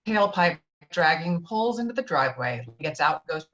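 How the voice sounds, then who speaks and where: Lowish-voiced woman reading stage directions, dull audio. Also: big pitch swings, moderate pace, fairly bright tone, slight background noise. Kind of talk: reading screenplay directions aloud.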